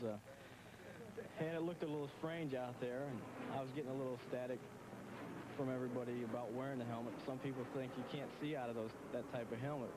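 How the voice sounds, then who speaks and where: Male racing driver interviewed amid loud noise. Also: medium pitch. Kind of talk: casual interview answer.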